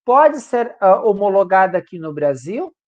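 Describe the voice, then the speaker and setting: A male law professor with a Brazilian Portuguese accent gives a classroom lecture in a high, sing-song voice at a moderate pace, with lo-fi sound. He checks in with students after nearly every point, constantly adding "tá, gente?" tag questions.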